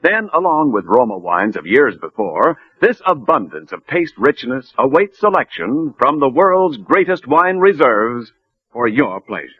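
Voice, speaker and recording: A man announcing a wine commercial in smooth, persuasive 1940s radio style. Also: big pitch swings, unhurried, dry recording. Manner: smooth, persuasive pitchman delivery. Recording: dull, dry old radio broadcast.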